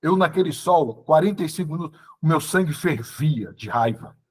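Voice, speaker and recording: A man's voice: a little high, lively intonation, normal speed, a little mellow, slightly rough. A man preaching a testimony, telling his story dramatically and calling the listeners brothers. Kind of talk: sermon testimony.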